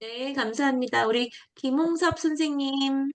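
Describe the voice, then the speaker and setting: The woman's voice sits high in pitch. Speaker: discussion moderator. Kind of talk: book discussion.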